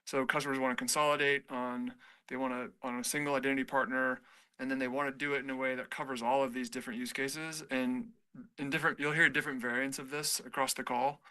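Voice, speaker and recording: A man speaking as a company executive, giving high-level business commentary on an earnings call. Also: flat delivery, quick pace, sharp tone, smooth, poor audio.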